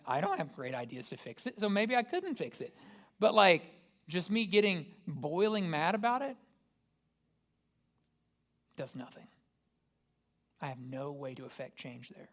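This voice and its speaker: A man's voice: on the high side, very animated, a little slow, long pauses, a bit bright. A man, a pastor, giving a conversational sermon and asking the congregation rhetorical questions. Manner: casual, asks the listeners rhetorical questions.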